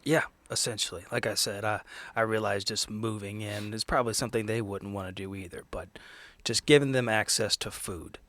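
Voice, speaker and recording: A man playing a tabletop roleplaying game, improvising persuasive speeches in a casual, halting way. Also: fairly low pitch, fairly even intonation, fairly bright tone, no room sound. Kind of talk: improvised in-character negotiation and table talk.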